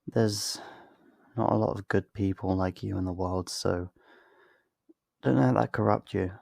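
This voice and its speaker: A man acts out a wistful, tender best friend in an intimate ASMR roleplay. The voice is low and gravelly, and the words come slowly and earnestly, with soft pauses. It is recorded very dry and close to the mic. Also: no room sound, full character voice. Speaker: ASMR voice actor. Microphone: close studio mic, dry.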